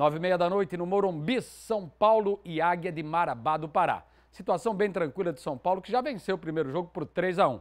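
A man with a high pitch talks at a fairly quick pace, with hardly any pauses. His pitch variation is ordinary, and the background is quiet. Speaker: news presenter. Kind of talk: news reading. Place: studio. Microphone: lapel.

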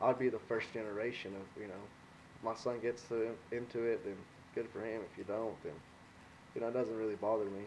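A man with a West Texas accent talks at a fairly quick pace in a medium pitch, his intonation monotone and flat. Long, frequent pauses break his speech over light background noise. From Texas Panhandle. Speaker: demolition derby driver and mechanic; podcast guest. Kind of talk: casual interview. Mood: relaxed, casual. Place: home room. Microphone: studio mic.

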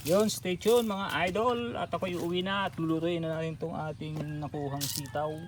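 Over noticeable background noise, a man with a fairly high pitch talks with ordinary pitch variation and hardly any pauses. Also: moderate pace. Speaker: vlogger. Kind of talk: casual vlog narration.

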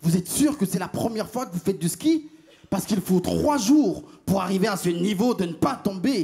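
At a fairly slow pace, a man speaks with very wide pitch swings. His tone is dark and mellow. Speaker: stand-up comedian. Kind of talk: stand-up comedy routine. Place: stage. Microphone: handheld.

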